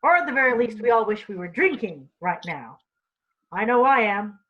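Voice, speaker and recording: A woman's voice: a little high, expressive, moderate pace. Wry woman hosting, slightly muffled. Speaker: host introducing sketches. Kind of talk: casual comedy show narration. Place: virtual staged reading over home mic.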